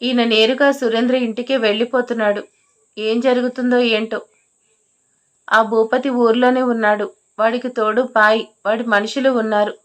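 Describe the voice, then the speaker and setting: A woman's voice: little pitch movement, moderate pace. A young adult woman narrating a dramatic story and reading every character's lines in close to her own voice. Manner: reads all characters' lines in near her own voice, only slightly lower.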